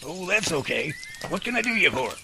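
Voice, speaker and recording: Gravelly folksy outdoorsman philosopher played by a man, noisy recording. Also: fairly high pitch, big pitch swings. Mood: friendly. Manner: folksy, measured, speechifying.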